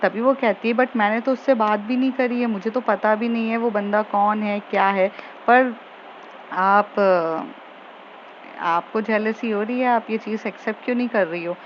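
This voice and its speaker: A woman's voice: mid-range voice, fairly even intonation, normal speed. Chatty woman retelling a love story. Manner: chatty, retells scenes with quoted dialogue and fillers. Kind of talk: casual spoken story recap. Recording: dull lo-fi audio with faint noise.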